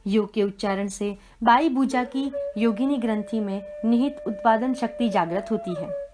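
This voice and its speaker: A woman giving a measured, reverent devotional scripture reading. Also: fairly high pitch, over music. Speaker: reader of a devotional text.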